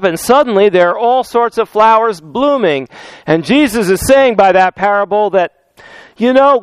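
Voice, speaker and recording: A pastor preaching a sermon, telling anecdotes and quoting scripture, slowing down to stress key points. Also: male voice, high-pitched, no room sound, low-quality recording. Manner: storytelling with anecdotes and scripture, slows down for emphasis.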